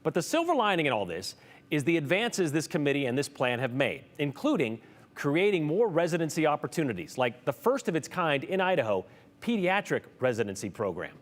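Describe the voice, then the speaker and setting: A man reporting a local TV news story, with a lively, emphatic delivery. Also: on the high side, a little fast, big-room sound.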